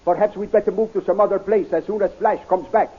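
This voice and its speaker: A man's voice: high voice, steady tone, fast, husky. An actor in a 1930s radio drama playing an earnest, fatherly scientist who speaks formally and carefully, on a muffled old recording. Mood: measured. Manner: formal, careful diction without contractions.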